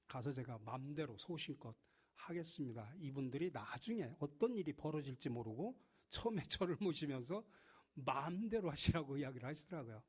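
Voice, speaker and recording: Lively Korean pastor preaching a sermon. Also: male voice, on the high side, husky. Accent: Chungcheong Korean. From Chungcheong, South Korea. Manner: lively, addresses congregation directly with humor. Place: church.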